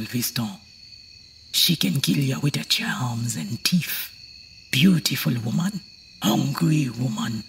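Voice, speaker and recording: Gravelly old island woman. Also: very deep voice, a little hiss or hum, exaggerated voice. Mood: grave, ominous. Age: older. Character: old island woman, blunt, superstitious, ominous storyteller. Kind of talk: audio horror drama acting.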